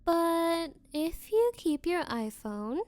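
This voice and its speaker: Bratty rich popular girl played by a woman, high voice, slow condescending drawl, smug and possessive, anime ASMR roleplay. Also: big pitch swings, dry recording, heavily acted. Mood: sweetly threatening. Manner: condescending valley-girl drawl with coy pauses.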